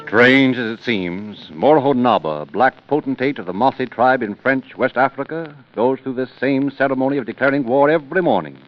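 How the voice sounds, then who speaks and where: A male narrator delivering scripted radio narration in a measured, declamatory way. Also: medium pitch, faint music behind. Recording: dull old radio recording with hiss.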